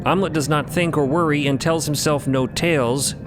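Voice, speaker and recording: A man playing a literal-minded crew member in audio fiction, speaking in a formal deadpan. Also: on the high side, a little fast, close to an everyday voice. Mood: solemn, matter-of-fact. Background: loud music.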